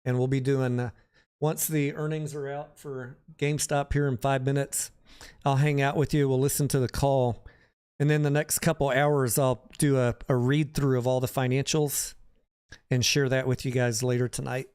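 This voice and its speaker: A man's voice: mid-range voice, little pitch movement, moderate pace, darkish tone, smooth. A man hosting a livestream, talking casually about the stock market and answering viewers by name in a conversational way.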